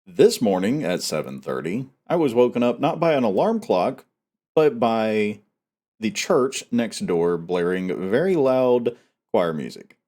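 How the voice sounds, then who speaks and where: A man's voice: fairly low pitch, sing-song, a little slow, dark tone. A man hosting a novel read-aloud, talking casually and reading in an audiobook style. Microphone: headset.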